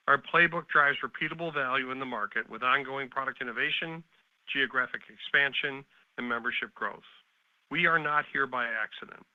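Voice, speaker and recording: A man presenting scripted earnings remarks as a company executive, in a deliberate, declarative reading style. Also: mid-range voice, no room sound. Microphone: conference call line. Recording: dull, band-limited call audio.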